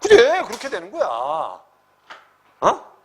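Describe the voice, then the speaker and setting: Male Korean exam-prep teacher, high and animated, acts out example sentences; faint background noise. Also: takes it slowly. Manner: lively, checks in constantly with the listener; acts out students' questions and sample sentences.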